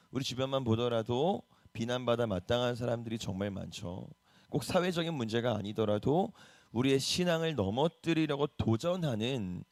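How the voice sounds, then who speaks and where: A man's voice: medium pitch, a little mellow, no room sound. Korean male pastor preaching. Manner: conversational preaching, rhetorical questions to the congregation. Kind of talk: early-morning sermon. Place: church.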